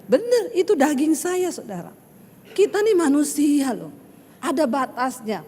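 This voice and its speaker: Female pastor with a high voice, preaching with feeling to her congregation; long hall echo. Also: sing-song, measured pace, mellow. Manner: emotional storytelling, addressing the congregation directly. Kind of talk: sermon.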